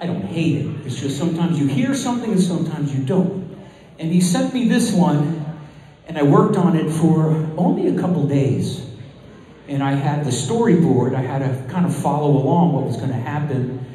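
Delivered at a fairly quick pace, the speech carries audible room echo over light background noise. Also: man, lively intonation. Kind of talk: stage banter to audience. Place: hall.

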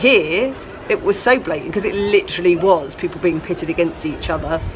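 Music plays in the background as a woman talks at a fairly quick pace. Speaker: spiritual vlogger. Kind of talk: casual vlog chat. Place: stadium. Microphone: phone near.

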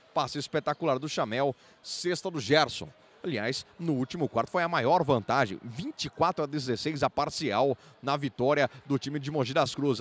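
Recorded dry and close with no echo, a man talks at a fairly slow pace with a fairly high pitch and ordinary pitch variation. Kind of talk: basketball highlights commentary, voiced-over recap. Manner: animated, energetic, excited play-by-play delivery.

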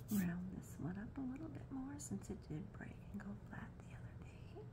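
Soft-spoken at a moderate pace, the voice moves through very wide pitch swings over noticeable background noise. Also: woman, very deep, low pitch for a woman. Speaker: ASMR creator. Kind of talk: ASMR nail filing video.

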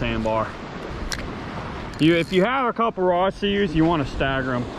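The sound is dry with no echo, though background noise is noticeable. The pace is moderate. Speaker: angler vlogger. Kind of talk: casual vlog chat. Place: beach. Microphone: phone near.

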